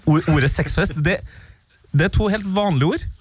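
A man co-hosting a casual football podcast, playful and quick with jokes. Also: a little high, breathy edge. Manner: playful, laughs easily, quick asides. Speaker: podcast host. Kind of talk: casual sports chat.

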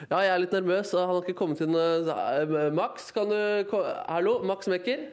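A man's voice: sits high, clear, resonant tone. A man hosting a morning radio show, chatting playfully with a guest. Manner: playful, giggly interviewer. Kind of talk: casual radio chat.

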